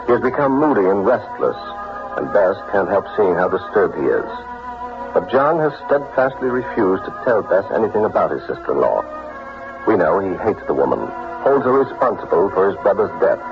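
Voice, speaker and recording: Brief: male narrator for an old-time radio show, lowish and lively in pitch, muffled vintage radio sound over music. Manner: formal, measured storytelling delivery. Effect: old-time radio broadcast sound. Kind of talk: scripted announcer narration.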